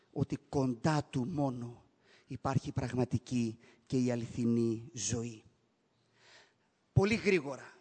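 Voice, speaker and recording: A man preaching a sermon, impassioned, swinging from quiet reflection to loud exclamations. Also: medium pitch. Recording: long hall reverb.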